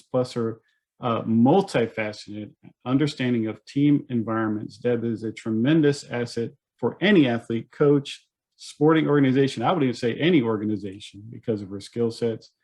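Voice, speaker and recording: A man hosts an interview podcast, speaking in an upbeat, enthusiastic way with the occasional filler and restart. His voice sits at an average pitch for a man. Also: moderate pace, mellow. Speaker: podcast host. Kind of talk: interview host introduction and questions.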